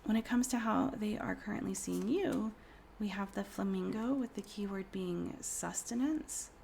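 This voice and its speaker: Hoarse woman in her 30s, gravelly, mellow-toned, soft whispery delivery, casual tarot reader, faint background hiss. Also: medium pitch, normal speed. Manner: soft, often whispery, rambling with fillers. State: hoarse from a cold. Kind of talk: casual pick-a-card tarot reading.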